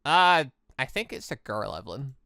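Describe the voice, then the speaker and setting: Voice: medium pitch, very animated, normal speed, bright, forceful tone, no echo, studio quality, voice pushed down. Performer voicing a wary, earnest young protagonist. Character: wary, awed young visual novel protagonist.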